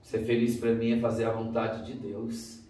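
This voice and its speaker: In a roomy recording from a distant mic, a preacher with a Brazilian Portuguese accent gives a dramatic testimony sermon, acting out dialogue in raised voices. His voice is medium-pitched and dark, his delivery flat at a normal speed, with a little hiss or hum.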